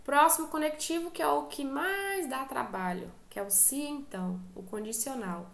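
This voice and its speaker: High, gravelly Brazilian woman teaching. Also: normal speed, fairly bright tone, echoey room. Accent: Brazilian Portuguese. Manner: patient, step-by-step explaining, often checks in with students. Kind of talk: online class lecture.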